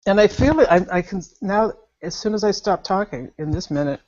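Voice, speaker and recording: Speaking over a remote video call at a spiritual gathering, a woman candidly shares her personal experience, often laughing and sighing. Her mid-range voice is animated, a little fast, and slightly mellow. The call audio sounds dull and lo-fi.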